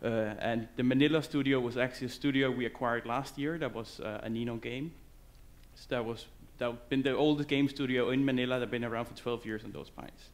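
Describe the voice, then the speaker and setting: Male conference speaker, English, loose and halting on stage. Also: medium pitch, steady tone. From Denmark. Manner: loose, halting delivery with many fillers and restarts. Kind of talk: conference presentation.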